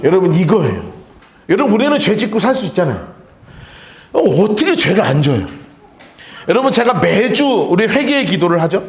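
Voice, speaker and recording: Lively, high-voiced male pastor preaching. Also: moderate pace, long pauses. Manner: animated, swings between loud emphasis and hushed storytelling; asks the congregation to repeat phrases. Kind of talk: sermon. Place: church sanctuary. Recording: echoey church sanctuary.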